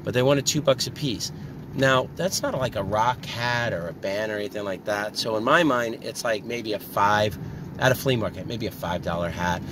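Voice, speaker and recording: A man's voice: lowish voice, moderate pace. A man chatting casually as a vlogger and reseller, explaining things in a rambling, conversational way. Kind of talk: casual vlog chat about secondhand finds. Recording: clearly noisy, ambient background.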